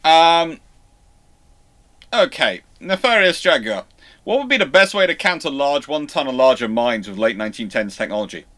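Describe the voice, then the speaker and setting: A man hosting an informal live question-and-answer stream, explaining in a rambling, halting way with repeated false starts. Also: mid-range voice, expressive, fairly bright tone. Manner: over-careful emphasis on some words. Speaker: host of live naval history Q&A stream.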